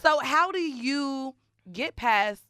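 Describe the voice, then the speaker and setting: Bright, blunt woman podcast co-host. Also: sits high, expressive, takes it slowly, dry recording, clean studio sound. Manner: blunt, profane, slangy. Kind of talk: casual conversational hosting.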